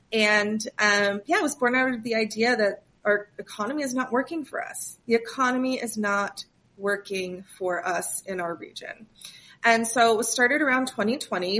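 Chatty bright-voiced woman guest. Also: medium pitch. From Western Pennsylvania. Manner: chatty, many ums, self-deprecating humor. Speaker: guest, nonprofit project director. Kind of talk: interview conversation.

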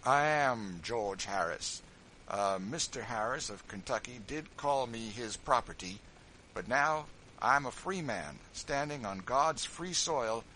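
A man reading an audiobook, voicing a defiant, resolute escaped man who speaks calmly, clearly and forcefully. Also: low-pitched, a little hiss or hum, poor audio. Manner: calm, clear, measured and forceful.

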